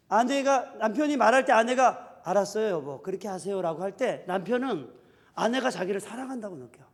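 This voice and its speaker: High, lively-voiced male pastor preaching. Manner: animated preaching, acts out spouses' quarrels in quoted voices. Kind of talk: sermon. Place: church sanctuary. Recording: reverberant church hall.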